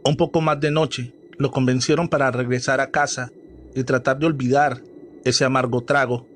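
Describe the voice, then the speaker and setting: A man reading a horror story aloud as a storyteller, dramatic and measured. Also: mid-range voice, steady tone, a little hiss or hum. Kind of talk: scripted horror story narration.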